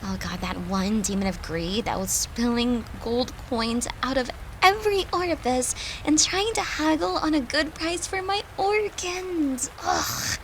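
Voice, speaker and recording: A woman's voice: high voice, measured pace, few pauses, a little hiss or hum, rough recording. A woman playing a tender human girlfriend, an occult summoner confiding in her demon lover in an intimate, earnest audio roleplay. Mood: exasperated, animated. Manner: soft, earnest, confiding, with sighs and breathy laughs.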